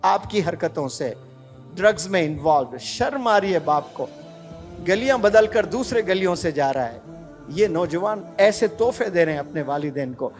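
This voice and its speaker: Impassioned high-voiced male preacher. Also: lively intonation, faint music behind. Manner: impassioned, exhorting, rhetorical questions. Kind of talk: emotional Islamic sermon.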